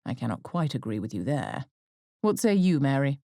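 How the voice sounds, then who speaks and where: Woman acting sardonic, low-voiced middle-aged father. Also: big pitch swings, warm tone, dry recording, exaggerated voice. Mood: mock serious. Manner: dry, deliberate, mock-courteous. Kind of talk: audiobook character acting.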